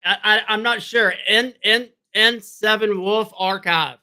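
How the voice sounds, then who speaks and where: A man talks casually to his livestream viewers in a high, bright, tense voice. He is hoarse and keeps clearing his throat. His talk rambles and repeats, recorded on a desk microphone. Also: fairly even intonation, measured pace. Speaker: livestream host.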